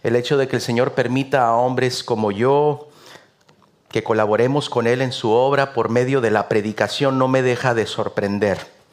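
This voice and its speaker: A man's voice: medium pitch, steady tone, moderate pace. A man with a Mexican Spanish accent, a visiting pastor preaching a sermon in an earnest, rhythmic way with repeated amens.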